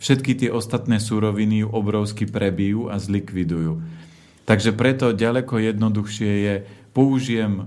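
With a dark, mellow tone and audible room echo, a man speaks at a moderate pace in a fairly low pitch and fairly even intonation. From Orava, northern Slovakia. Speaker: health and nutrition coach. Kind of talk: casual chat.

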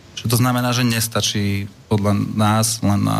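Over noticeable background noise, a man talks with monotone, flat intonation. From Slovakia, Prievidza (central Slovakia). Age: 30s. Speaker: civic activist and IT worker. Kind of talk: radio interview. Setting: radio studio.

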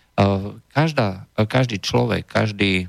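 Recorded very cleanly against a silent background, a man with a very deep, low pitch speaks at a moderate pace, the sound dry and close with no echo. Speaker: political commentator. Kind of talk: radio commentary.

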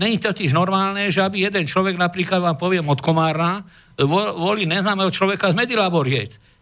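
Bright and sharp in tone, a man with a high pitch talks at a fairly quick pace with ordinary pitch variation. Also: very even loudness. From Slovakia, Nové Zámky. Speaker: panel guest, citizen with legal grievances. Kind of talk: studio panel discussion. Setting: studio.

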